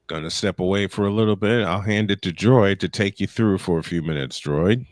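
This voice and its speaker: A young man calling football plays in a steady play-by-play commentary style. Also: sits low, a little fast, no echo. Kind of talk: live sports commentary.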